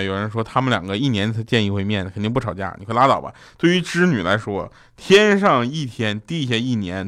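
A man hosting a comedy show, delivering jokes and short anecdotes in a playful, quick style with pauses before punchlines. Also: medium pitch, fairly bright tone. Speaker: radio comedy host. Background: background music.

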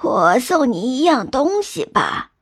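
A gentle, white-bearded old man from a folk tale, as a woman narrator puts him on. He speaks slowly and kindly in a voice that stays fairly high. His words are drawn out and soothing. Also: big pitch swings, slightly rough, no room sound, clean studio sound, heavily acted. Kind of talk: storybook narration.

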